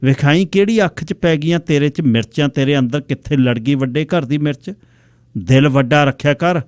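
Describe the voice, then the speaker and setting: A man voicing a lively, teasing woman, an old schoolmate, who talks boldly and mocks playfully. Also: on the high side, normal speed, no echo, lightly acted. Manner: bold, playful, mocking. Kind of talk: storytelling with acted dialogue.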